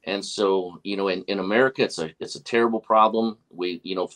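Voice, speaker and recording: A man in his forties talks like a pastor, earnest and a little preachy, on a video call from his office. His voice sits low. He starts sentences again and again and leans on lots of "you know.". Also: fairly even intonation, fairly quick, a bit bright, poor audio. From West Texas. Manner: earnest, preachy, many fillers and restarts. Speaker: pastor and guest. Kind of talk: casual video call conversation. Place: office with whiteboard, indoors. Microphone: webcam on video call.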